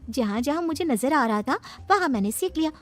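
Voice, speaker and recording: A cheeky young cartoon bride, as the narrator puts her on, sly and playful. The voice is high and swoops widely, with faint music behind. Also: animated, a little fast.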